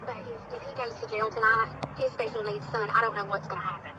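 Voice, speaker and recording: A woman, heard through a phone on speakerphone, pleading urgently with halting restarts. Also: fairly high pitch, very animated. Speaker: sister of the arrested man, on the phone. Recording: noisy speakerphone heard outdoors.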